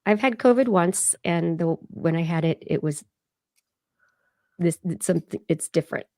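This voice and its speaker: A woman co-hosting a podcast, hoarse, chatting in a rambling, casual way with soft asides. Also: lowish voice, normal speed, dry recording, studio quality. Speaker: podcast co-host. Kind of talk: casual chat.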